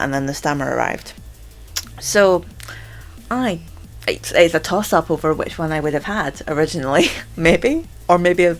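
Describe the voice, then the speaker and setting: A young woman hosting a casual vlog chat. She stammers, repeating words and filling pauses with "um" and "like". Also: low voice. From Scotland. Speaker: channel host.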